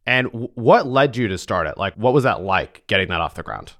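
A man's voice: lowish voice, expressive, fairly quick, fairly bright tone. A man hosting an interview in an informal, conversational way. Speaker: interviewer, host. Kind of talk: casual chat.

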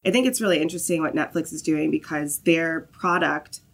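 Low-voiced woman explaining marketing. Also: fairly quick, gravelly, fairly bright tone. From Southern US. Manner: fluent, explanatory, frequent "like" and "right?". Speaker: guest, marketing lead. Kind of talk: podcast interview.

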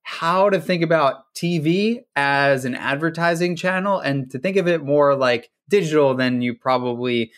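A man's voice: on the high side, normal speed, few pauses. A man hosting a podcast, upbeat, steering the interview with questions. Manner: upbeat, guiding the talk with questions. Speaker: podcast host.

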